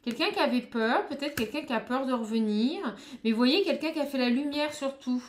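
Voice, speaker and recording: A woman doing a card reading for her viewers, talking straight to them and calling out to her spirit guides, with a small high voice. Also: animated, brisk. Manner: addresses viewers directly, exclamatory, calls on spirit guides. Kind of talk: tarot reading to camera.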